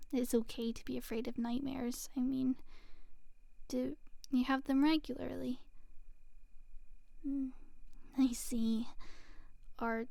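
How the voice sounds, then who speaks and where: A woman playing a gentle, teasing sleep paralysis demon in an ASMR roleplay, soothing and intimate, talking softly and unhurriedly, now and then slipping into a whisper. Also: high voice, gravelly, dry recording, heavily acted. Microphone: close microphone.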